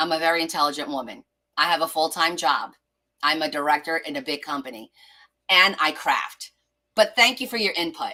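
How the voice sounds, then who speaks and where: A woman with a New Jersey accent speaks at a fairly quick pace in a fairly low pitch, her tone animated, bright and sharp. Her intonation is lively, broken up by long, frequent pauses. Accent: New Jersey American. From New Jersey, US (born in Portugal). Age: 50s. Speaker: crafting livestreamer. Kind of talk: casual livestream chat while crafting. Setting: livestream.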